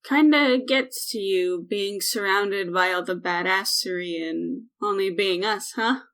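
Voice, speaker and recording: A woman's voice: medium pitch, measured pace, fairly bright tone. A woman playing a sardonic, blunt, easily irritated ordinary human in an audio drama.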